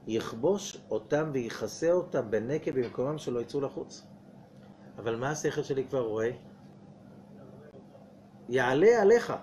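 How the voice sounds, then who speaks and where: A man's voice: medium pitch, darkish tone, a little hiss or hum. A man, a rabbi giving a weekly Torah portion lecture. He asks the audience rhetorical questions and acts out little dialogues. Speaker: rabbi teaching Kabbalah.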